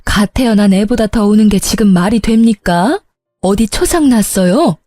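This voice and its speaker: A woman's voice: medium pitch, normal speed, dark tone, no echo, faint music behind, lightly acted. A woman doing an indignant, scolding parent.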